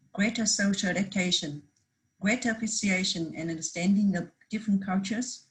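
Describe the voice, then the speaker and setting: A woman's voice: medium pitch, darkish tone, low-quality recording. A woman presenting a research paper at a conference, reading steadily from prepared slides with the odd restart.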